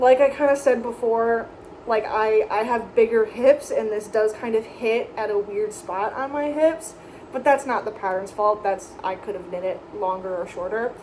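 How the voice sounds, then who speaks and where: A woman talks at a moderate pace with fairly high pitch and ordinary pitch variation. Noticeable background noise is present. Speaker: knitting podcaster. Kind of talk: casual chat.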